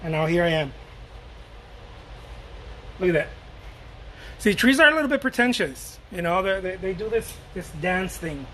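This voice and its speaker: A man's voice: high-pitched, lively intonation, normal speed, long pauses, a bit bright, slight background noise, rough recording. A man from Mexico chatting casually while he paints live, rambling and joking and answering viewer questions as he goes.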